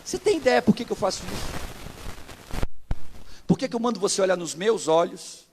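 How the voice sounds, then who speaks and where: A male pastor with a Brazilian Portuguese accent preaches with rising intensity, acting out the people and dialogue in his stories. His voice sits high and is expressive, a little mellow and husky, at a moderate pace.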